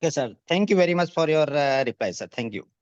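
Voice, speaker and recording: A man with an Indian accent politely asking an investor's questions in halting phrases over a dull conference call line. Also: a little high, expressive, clean tone, dry recording.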